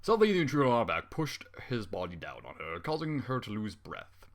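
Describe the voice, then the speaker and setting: A man's voice: fairly low pitch, sing-song, a little fast. A man reading fan fiction aloud with running commentary, exasperated and sarcastic, swearing often.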